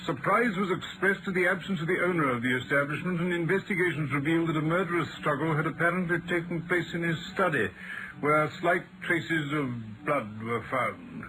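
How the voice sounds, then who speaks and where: An actor playing a dutiful English gentleman companion to a detective, with measured, emphatic radio-drama delivery. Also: fairly high pitch, natural voice. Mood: measured, grave. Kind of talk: 1940s-style radio acting. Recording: noisy vintage radio drama recording.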